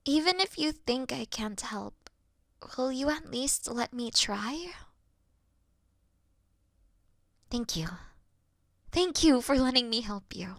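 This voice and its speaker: Woman acting a gentle, high-voiced caring best friend. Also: lively intonation, a little slow, no room sound, studio quality. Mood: tender, reassuring. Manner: soft, soothing, reassuring, sighing, dropping into breathy murmurs. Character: caring, gentle young female best friend, patient and worried. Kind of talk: roleplay audio, intimate one-sided phone call.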